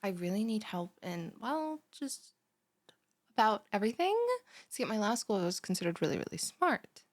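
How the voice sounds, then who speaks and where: A woman's voice: medium pitch, big pitch swings, normal speed, no room sound, clean studio sound, natural voice. A young woman playing a scatterbrained, chatty, bubbly student in a one-sided audio roleplay, rambling like a valley girl straight at the listener. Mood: whiny, indignant. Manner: rambling valley-girl chatter full of "like", sighs and breathy asides. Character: chatty, scatterbrained, over-caffeinated bimbo female college student, bubbly and blunt.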